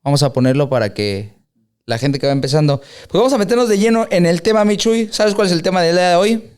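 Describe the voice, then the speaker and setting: A man's voice: high-pitched, expressive, fast, darkish tone, clear, resonant tone. A man hosting a casual podcast, joking around and asking his guests questions. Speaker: podcast host.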